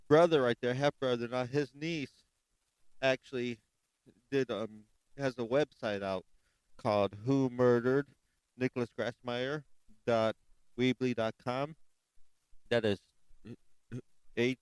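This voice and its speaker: A man hosts a true crime podcast in a loose, rambling way, often stopping to correct himself. His voice is smooth and clear, recorded close and dry with no room sound. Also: medium pitch, no room sound, low-quality recording. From Chicago, United States. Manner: rambling, self-correcting, spells things out slowly. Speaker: podcast host. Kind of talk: casual true crime commentary.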